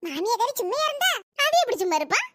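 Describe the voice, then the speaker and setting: A woman's voice: very high-pitched, big pitch swings, fast, very noisy. A woman voicing a scheming neighbor who spreads gossip, in a cartoon comedy. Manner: breathless storytelling gossip.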